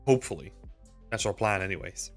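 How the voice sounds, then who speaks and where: Here the Belgian livestream host, a man in his thirties, speaks in a deep, animated voice at a slightly quick pace. He answers chat questions in a casual, rambling way packed with fillers. He's in a small room at home on a desk mic and headphones, with faint music underneath.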